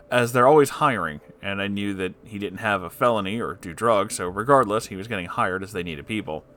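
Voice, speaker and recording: A man with a lowish voice reads an online story aloud, narrating dramatically and expressively while throwing in candid, sweary interjections.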